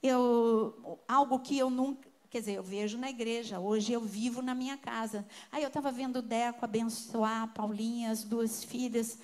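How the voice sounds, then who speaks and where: An older Brazilian woman preacher giving a sermon with personal testimony, telling her story with emotion and swinging between soft and loud. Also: a little high, fairly even intonation, moderate pace.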